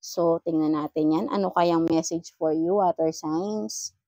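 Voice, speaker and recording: A woman's voice: deep voice, steady tone, measured pace, dark tone, dry recording. Chatty woman giving a tarot reading. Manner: chatty, advising, ends phrases with questioning tags. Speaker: tarot reader.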